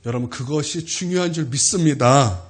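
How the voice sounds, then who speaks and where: A man's voice: on the high side, fairly quick, breathy edge. A middle-aged man, a pastor, preaching a sermon in a church, telling stories and calling out to the congregation. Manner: emphatic preaching with rising calls to the congregation, storytelling asides. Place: church sanctuary.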